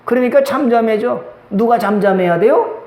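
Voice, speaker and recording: A middle-aged man preaches a sermon in a high, bright-toned voice, asking questions and slipping into the voices of the people he quotes. The sound rings around a reverberant church sanctuary. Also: normal speed. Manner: call-and-response preaching, acting out quoted voices. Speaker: pastor. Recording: echoey church hall.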